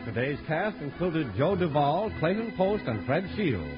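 A man announcing in old-time radio style, reading credits and sponsor plugs in an emphatic, polished pitch. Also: big pitch swings, unhurried. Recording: dull vintage radio recording with music. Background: music.

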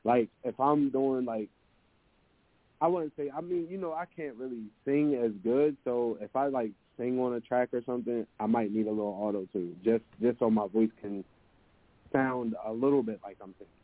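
A man with a deep voice answering interview questions about his music in a relaxed, hesitant way, with lots of fillers and restarts. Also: moderate pace, no echo. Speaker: musician guest. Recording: dry, narrow phone-like sound.

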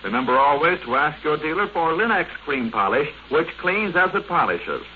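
A man's voice: a little high, sing-song, normal speed. A man announcing in a polished, formal 1940s radio style, promoting products and programs. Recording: muffled, noisy 1940s radio recording.

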